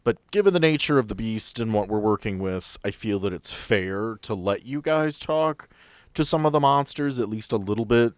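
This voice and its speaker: Low male game master, dry close mic, descriptive narration. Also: expressive, normal speed, no echo. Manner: descriptive, explains rules at length.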